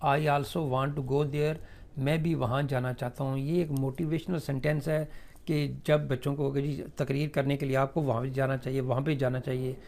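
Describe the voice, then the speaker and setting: Gravelly man teaching English phrases. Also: medium pitch, little pitch movement, a little mellow. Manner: slow, drawn-out model sentences in English, then Urdu explanation with many fillers. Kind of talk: spoken English lesson explained in Urdu.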